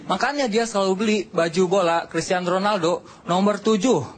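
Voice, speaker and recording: A man's voice: sits high, a little fast. A young man performing a stand-up comedy set on a TV studio stage, telling punchy stories in casual slang. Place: TV studio stage with live audience. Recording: loud audience laughter and noise.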